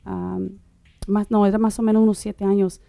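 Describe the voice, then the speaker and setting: A middle-aged woman born in Uruguay telling her personal testimony in conversation, halting, with many fillers and restarts. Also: mid-range voice, little pitch movement, vocal fry, mellow, dry recording. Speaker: guest sharing her testimony.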